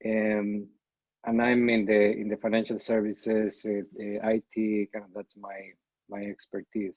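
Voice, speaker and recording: Middle-aged man from Costa Rica, founder on a panel, halting delivery, dry lo-fi call audio. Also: lowish voice, monotone, no echo. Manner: halting, repeats words while thinking. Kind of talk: casual panel talk. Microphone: video call.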